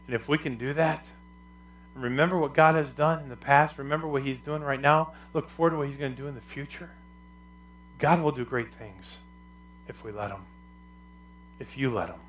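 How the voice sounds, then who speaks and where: A male pastor preaching a sermon with a loud, carrying voice and emphatic, repetitive phrasing. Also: mid-range voice, moderate pace, pauses often, a little hiss or hum.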